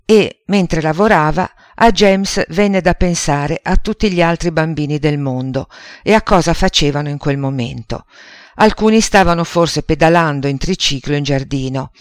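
A man narrating a children's story as an audiobook, in a steady storytelling manner. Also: fairly high pitch, no room sound, studio quality.

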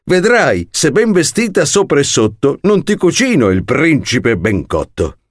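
A man's voice: on the high side, sing-song, a little slow, dry recording, studio quality, voice pushed up. A man voicing a bratty, demanding young Cinderella who shrieks her rhymed orders. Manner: screeching, bossy rhymed tirade.

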